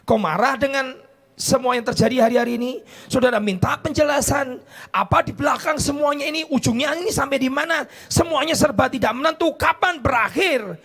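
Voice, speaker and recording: Middle-aged pastor guy preaching, real high voice, kinda husky, shouts sometimes. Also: fairly quick. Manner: preaching, mixing in English phrases, rising to shouts. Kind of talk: sermon. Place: church.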